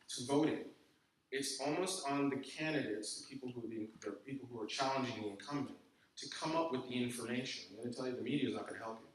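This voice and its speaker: A man's voice: mid-range voice, a little hiss or hum. A man speaking as guest at a civic meetup, emphatic and direct, often checking in with "okay?" as he answers audience questions. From Canada. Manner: emphatic, peppered with "okay?" and "I can tell you". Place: large echoey meeting room. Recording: echoey room from a distance.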